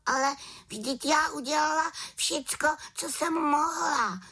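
A woman voicing a small young witch in a storybook reading, in a high childlike voice. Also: creaky, a bit bright, exaggerated voice. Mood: plaintive. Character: small young female witch, lively and chatty. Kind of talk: audiobook character reading.

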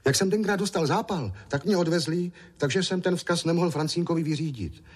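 A man's voice: on the high side, slightly rough, voice pushed up. A man voicing an eager little boy who breathlessly and politely delivers news. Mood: earnest.

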